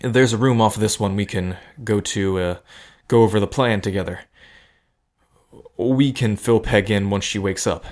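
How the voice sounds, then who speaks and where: A man's voice: on the low side, normal speed, darkish tone, natural voice. A man playing an earnest, protective gambler in an audio drama, with a sincere, slightly awkward manner. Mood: flustered, tender.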